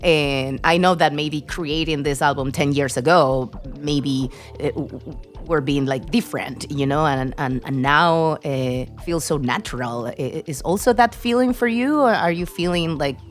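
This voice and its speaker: Low-voiced woman podcast interviewer. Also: moderate pace, faint music behind. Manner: hesitant, searching for words. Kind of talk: conversational interview.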